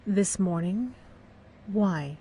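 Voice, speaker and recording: A woman's voice: mid-range voice, expressive, drawn-out words, warm tone, husky, exaggerated voice. A woman playing a skeptical wife and mother who keeps asking questions and laughs lightly.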